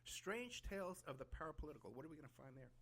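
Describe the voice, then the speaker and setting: A podcast host, a man, rattles along at a quick clip with a gravelly, husky edge. His tone is bright and forceful as he chats with his guest, keen and full of fillers. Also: fairly high pitch, expressive. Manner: fast, enthusiastic, frequent laughs and fillers. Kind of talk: casual interview chat.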